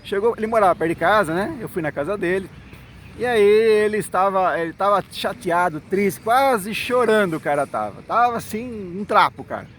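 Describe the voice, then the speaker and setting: High-pitched and a bit bright, this middle-aged former congregation elder recounts his story at a moderate pace with lively intonation. Acting out the quotes, he repeatedly asks "né?" and "certo?"; slight background noise is present.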